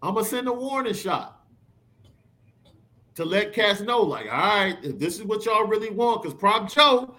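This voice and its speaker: Male podcast host, excitable slangy sports talk, lively pitch. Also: moderate pace. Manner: excited, slangy, reads super chats. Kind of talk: animated sports podcast banter.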